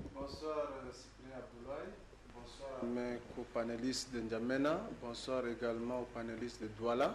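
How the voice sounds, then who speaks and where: Audible room echo surrounds a man speaking at medium pitch. His pace is fairly slow and his intonation fairly even. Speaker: TV panelist. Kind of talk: TV panel debate.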